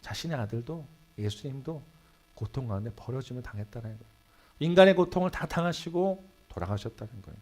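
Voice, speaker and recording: Animated male preacher, lively pitch. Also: a little fast. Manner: animated storytelling, swinging between loud and hushed. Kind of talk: Sunday sermon. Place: church sanctuary.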